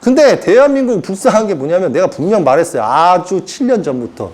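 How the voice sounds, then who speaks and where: A man's voice: high voice, big pitch swings, brisk, darkish tone. A man giving an informal sermon lecture as a self-styled prophet, acting out characters in put-on voices and chuckling as he talks.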